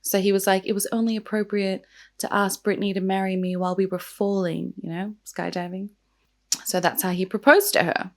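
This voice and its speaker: Young woman, vlog host, croaky morning voice, gravelly fry, chatty, filler-heavy. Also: mid-range voice, little pitch movement, a little fast. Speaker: true crime and makeup vlogger.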